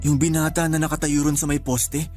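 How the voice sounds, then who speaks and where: An actor playing a calm, watchful young man in a radio drama. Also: on the high side, brisk, soft background music, close to an everyday voice.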